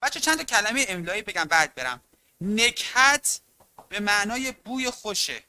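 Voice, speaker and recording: Very bright, sharp-toned literature teacher. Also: mid-range voice, sing-song, a little hiss or hum. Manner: emphatic, stretches out key terms, keeps calling on the students. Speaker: exam-prep literature teacher. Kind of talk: online class lecture.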